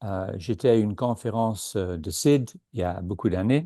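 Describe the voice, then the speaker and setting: A fairly slow male voice with a dark, mellow tone and a non-native accent, ordinary pitch variation, and a quiet background. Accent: foreign accent in French, noticeable. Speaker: speaker on the three principles. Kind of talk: webinar talk. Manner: halting, many hesitations.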